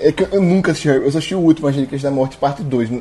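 A man's fairly high voice at a very fast pace, with ordinary pitch variation over noticeable background noise. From Brazil, Recife (Pernambuco). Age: 19. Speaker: university literature student, quiz contestant. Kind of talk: quiz show. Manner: hesitant, repeats words.

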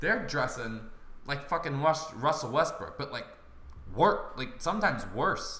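Over noticeable background noise and audible room echo, a man with a fairly high pitch talks at a moderate pace, using lively intonation and big swings in loudness. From Maryland. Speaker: podcast host. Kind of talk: casual chat.

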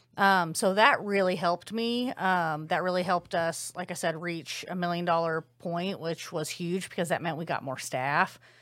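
A woman talks at a moderate pace with a fairly low pitch and ordinary pitch variation, recorded very cleanly against a silent background. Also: hardly any pauses. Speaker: podcast co-host, former business manager. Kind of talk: casual chat. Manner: loud, funny, animated.

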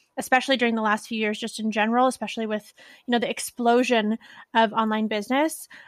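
A very fast pace in a Californian accent. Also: woman, fairly high pitch for a woman. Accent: Californian American. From US, San Francisco Bay Area. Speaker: podcast host and entrepreneur. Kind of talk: casual interview chat. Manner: animated.

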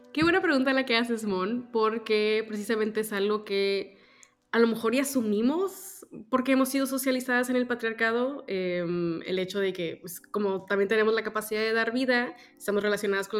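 Noticeable background noise sits behind speech at a fairly quick pace with ordinary pitch variation. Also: woman. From Mexico, Monterrey. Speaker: climate activist. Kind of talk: casual interview.

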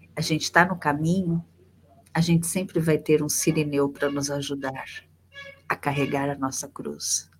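A woman's very deep, low voice, somewhat breathy, at a fairly slow pace. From interior of São Paulo state, Brazil. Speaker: spiritist Bible study guest. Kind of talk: religious discussion.

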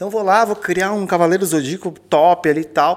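The man speaks with ordinary pitch variation. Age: 30s. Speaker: entrepreneur, action figure maker. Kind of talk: podcast interview. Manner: animated.

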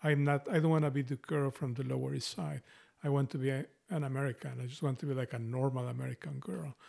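A voice with a strong Mexican accent talks at a very fast pace, dark and mellow in tone. Pitch variation is ordinary, and the recording is very clean with a silent background. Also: man, medium pitch for a man. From Mexico. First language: Spanish. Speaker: podcast host. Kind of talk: casual literary discussion.

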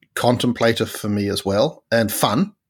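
On a very clean recording with a silent background, the speech moves at a very slow pace with ordinary pitch variation. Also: man. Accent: Australian. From Australia. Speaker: podcast co-host. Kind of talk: casual chat.

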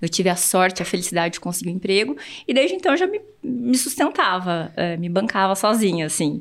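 A woman with a plain, everyday voice speaks at a fairly quick pace, using a medium pitch and lively intonation. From Brazil, Cunha (São Paulo state). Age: 40s. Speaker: consortium sales professional. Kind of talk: casual interview.

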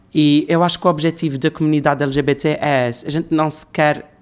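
A man with a normal speaking voice, fairly high in pitch, at a fairly quick pace. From Azores, São Miguel (Ribeira Grande). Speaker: fashion worker and drag performer. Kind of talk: casual chat.

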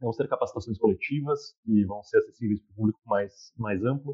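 A man talks at a fairly quick pace. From Porto Alegre, southern Brazil. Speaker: export program advisor. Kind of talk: interview conversation. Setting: recording from home. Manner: halting, many repetitions.

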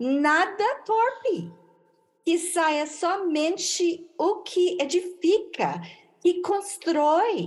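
A woman is speaking. She has an English accent. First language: English (speaking Portuguese). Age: 60s. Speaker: women's ministry speaker. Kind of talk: interview.

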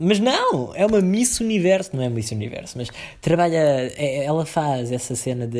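A man with a European Portuguese accent, lively intonation and a moderate pace. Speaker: podcaster reviewing reality TV. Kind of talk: casual commentary monologue. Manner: hesitant, many filler sounds.

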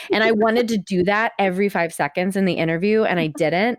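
A plain, everyday voice at a moderate pace with ordinary pitch variation, dry and close with no echo, in a very clean recording with a silent background. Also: woman. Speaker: therapist and podcast host. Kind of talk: casual interview chat. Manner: chatty, laughs often.

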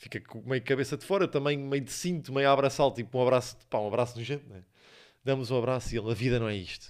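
A man with a medium pitch talks at a very fast pace in an animated tone. The recording is very clean, with a silent background. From Portugal, Guarda. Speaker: podcast host and comedian. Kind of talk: casual solo chat.

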